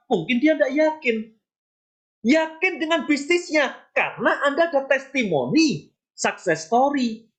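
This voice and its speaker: Animated high-voiced woman coaching. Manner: emphatic, chatty, addresses listeners directly with rhetorical questions; acts out short sample dialogues. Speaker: business mentor and trainer. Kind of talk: motivational sales training talk.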